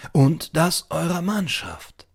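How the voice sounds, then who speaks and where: Storybook elder performed by a man: preachy old male scholar, higher voice, very animated, archaic and self-righteous. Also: slow pace, creaky, slightly rough, exaggerated voice. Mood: solemn, urgent. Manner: pompous, archaic, lecturing. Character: preachy, self-certain old male island librarian who crawls.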